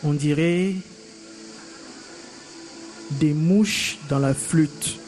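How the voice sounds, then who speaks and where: A man's voice: on the high side, very slow, darkish tone, soft background music. An actor playing a stern male jailer who threatens a prisoner, in a cold and commanding way.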